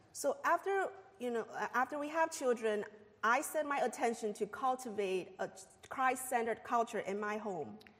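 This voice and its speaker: Noticeable noise sits behind a woman with a high-pitched voice. She talks at a moderate pace with lively intonation. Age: 30s. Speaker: pastor's wife giving a sermon. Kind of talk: sermon.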